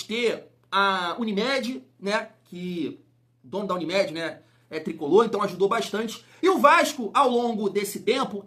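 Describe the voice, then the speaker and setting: Fired-up Rio man with a bright voice. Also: very high voice. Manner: emphatic, fired-up, rhetorical questions. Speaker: football fan channel host. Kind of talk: casual vlog commentary.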